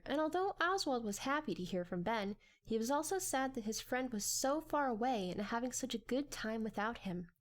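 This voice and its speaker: A woman narrating a story as a scripted audiobook. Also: on the high side.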